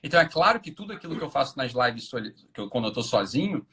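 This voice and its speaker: A man hosting a casual live-stream conversation with a Brazilian Portuguese accent, animated, jumping into silly voices to make his point. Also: medium pitch, racing, breathy edge. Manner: animated, acts out silly voices mid-explanation. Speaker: host.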